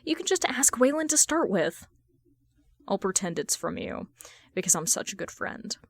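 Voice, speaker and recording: A woman's voice: medium pitch, sing-song, moderate pace, no room sound. A woman reading the part of a teasing young man, a sarcastic best friend with a casual manner, in a story.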